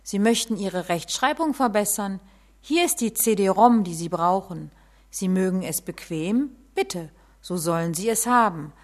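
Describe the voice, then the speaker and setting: Woman, sales pitch, persuasive barker calls, middle pitch. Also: lively intonation, measured pace.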